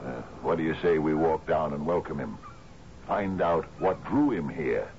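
A man's voice: very deep voice, lively intonation, normal speed, gravelly, a little mellow, heavily acted. An actor playing a lordly, exuberant old sea captain in a radio drama, hearty and musing, repeating his phrases. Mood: hearty welcoming. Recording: dull, hissy old radio broadcast recording.

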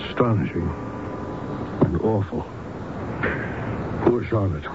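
A plain-spoken husband in a vintage radio drama, concerned and attentive. His voice is on the low side. The sound is muffled, with clear noise behind it. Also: slow pace. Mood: puzzled, sympathetic. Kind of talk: old-time radio drama acting.

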